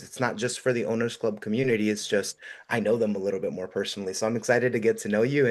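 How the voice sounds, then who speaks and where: A man whose first language is Russian, giving energetic, encouraging advice on a call-in show with many "um"s. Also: on the low side. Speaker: guest investor.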